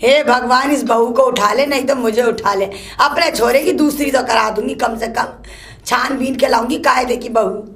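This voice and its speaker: A woman's voice: normal speed, fairly bright tone, lightly acted. A woman playing a scolding old mother-in-law who curses and complains nonstop. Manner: shrill, cursing, complaining nonstop. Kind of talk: solo comedy sketch.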